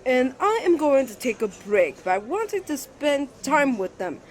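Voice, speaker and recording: A man's voice: very high-pitched, sing-song, unhurried, a little hiss or hum, heavily acted. A man playing a jealous, flustered young student, a protective twin brother with a dramatic manner, in an ASMR romance roleplay. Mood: indignant. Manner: indignant, dramatic, stammering when flustered.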